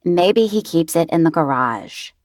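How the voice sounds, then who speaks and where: Woman as bold teen best friend, brusque and pushy, lowish voice, dry audiobook sound. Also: animated, unhurried, no room sound. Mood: impatient. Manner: brusque and insistent.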